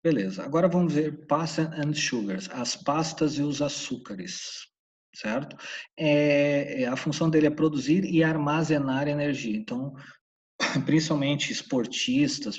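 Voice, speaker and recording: A man from Santa Catarina, Brazil, with a Brazilian Portuguese accent, teaching a casual English lesson and repeating the English words slowly, in a husky voice. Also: fairly high pitch. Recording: dull, distant room mic.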